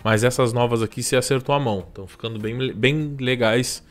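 Chatty Brazilian man in his thirties. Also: medium pitch. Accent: Brazilian Portuguese. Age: 30s. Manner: relaxed and chatty, peppering advice with quick tag questions. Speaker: YouTube growth coach hosting a live stream. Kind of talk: casual live-stream channel review.

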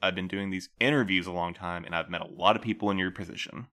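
A man playing a calm, patient middle-aged postmaster who interviews new couriers, speaking gently and in a measured way. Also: deep voice. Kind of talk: audio drama acting.

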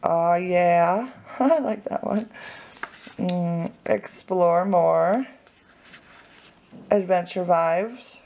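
Bubbly woman with a gravelly edge. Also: lowish voice. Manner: bubbly, excited, chatty with fillers. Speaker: family vlogger. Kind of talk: casual unboxing chat. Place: home, indoors at a table.

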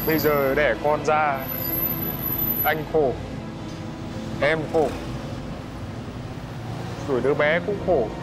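An actor playing a young man who wants to abandon his pregnant lover, speaking quietly and apologetically. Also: a little high, steady tone, takes it slowly, long pauses. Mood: apologetic. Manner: subdued, apologetic. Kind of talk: TV drama acting. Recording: music score behind.

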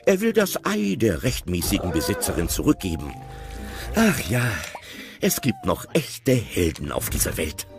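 Lively, low-voiced male storyteller. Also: moderate pace, over music. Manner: storytelling, animated. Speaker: narrator. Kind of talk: audio-play narration.

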